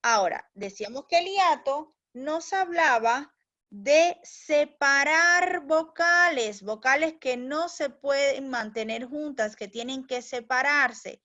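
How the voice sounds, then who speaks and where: A high-voiced woman teacher talks slowly and patiently, explaining each step to young pupils and pausing to check that they are following. The recording is slightly dull and lo-fi. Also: animated, sharp tone. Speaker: primary school teacher. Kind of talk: recorded language lesson for children.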